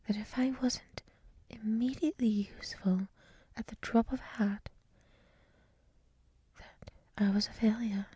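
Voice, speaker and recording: Woman as a whispering, gentle dryad librarian. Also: medium pitch, no echo. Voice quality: soft breathy whisper. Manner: slow, soothing, hushed, reflective. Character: gentle soft-spoken female dryad head librarian. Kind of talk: whispered ASMR roleplay. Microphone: close microphone.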